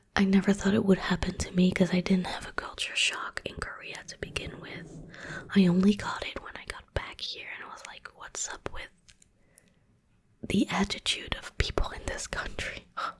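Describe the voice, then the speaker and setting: A woman whispers at a moderate pace, her loudness swinging widely. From Netherlands. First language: Dutch. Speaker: ASMR YouTuber. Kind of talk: ASMR storytime rambling. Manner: whispering and soft-spoken; casual, rambling.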